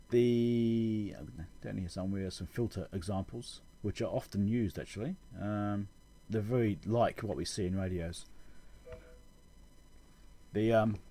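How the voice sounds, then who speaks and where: A man giving an informal technical explanation as a channel host, halting and correcting himself as he thinks aloud. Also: lowish voice, dark tone. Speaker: electronics repair channel host.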